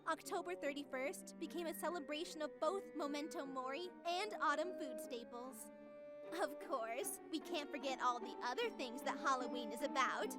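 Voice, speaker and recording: A woman's voice: sits high, normal speed, over loud music, lightly acted. A woman voicing a cheerful, smug young female AI who narrates a horror visual novel in a playful, conversational way. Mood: earnest, explanatory. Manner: playful, self-satisfied, conversational. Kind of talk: scripted first-person game narration.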